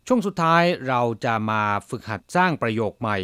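Male teacher for a lesson program. Slow, deliberate pronunciation with an animated voice and a dry studio sound. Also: mid-range voice, smooth, dry recording. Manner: slow, careful word-by-word pronunciation. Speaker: language teacher. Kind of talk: radio-style language lesson.

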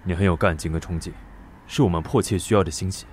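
An actor playing a firm, world-weary but caring police squad leader in a Taiwanese-accented audio drama. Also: male voice, deep voice, quick pace, a little mellow, a little hiss or hum, lightly acted. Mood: weary, admonishing. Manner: authoritative, instructing subordinates. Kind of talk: Mandarin audio drama acting.

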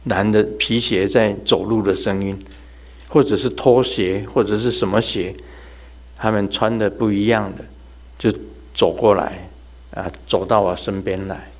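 Slow, low-voiced man telling a sermon. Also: steady tone. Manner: chatty storyteller who laughs and imitates sounds. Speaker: religious teacher. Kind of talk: sermon told as humorous ghost anecdotes.

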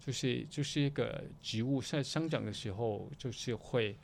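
Male interview guest, mid-pitched, conversational and halting, drops in English words. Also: creaky, slight background noise. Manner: halting, repetitive, mixing English words into Mandarin.

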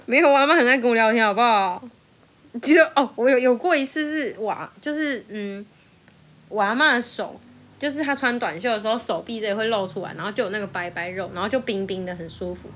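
A woman's voice: fairly high pitch, brisk. A young woman with a Taiwanese Mandarin accent, chatting casually and telling stories with frequent laughter. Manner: animated storyteller who laughs often. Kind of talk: casual chat.

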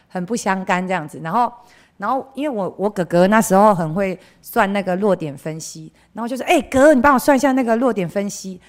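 Woman, Taiwanese Mandarin accent, church testimony, casual and candid, mid-range voice. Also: medium pitch. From central Taiwan. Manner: chatty and candid, often trailing off with "like this"; acts out the voices of people she quotes. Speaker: church member giving a testimony. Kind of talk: personal testimony talk.

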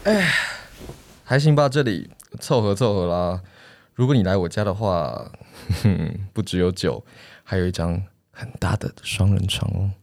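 A man's voice: low voice, unhurried, creaky, dry recording. A man playing a confident, flirtatious gay man in a radio drama, teasing and coaxing suggestively. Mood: teasing, flirty. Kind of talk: improvised-feel romantic radio drama acting.

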